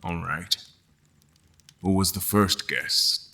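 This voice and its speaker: An actor playing a frustrated, wry mortal guest in an audio drama, choosing words in a deliberate, formal, dry manner. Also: male voice, deep voice, sharp tone, full character voice. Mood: careful, probing. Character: mortal male guest, frustrated, wry, carefully probing captors. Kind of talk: audio drama acting with first-person narration.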